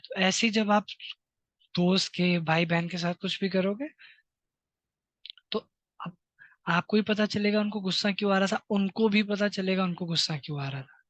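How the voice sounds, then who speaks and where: Male teacher slowly dictating to children. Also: high-pitched, a bit bright, no room sound. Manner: slow, dictating phrases for students to repeat. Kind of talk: classroom lesson to children.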